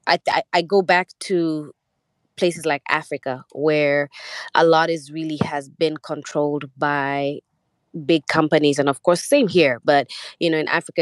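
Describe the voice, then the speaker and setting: Low-voiced Kenyan-born woman, relaxed. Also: no echo. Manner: relaxed, rambling with restarts and soft laughs. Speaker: podcast guest, musician. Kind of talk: casual remote interview. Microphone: remote call audio.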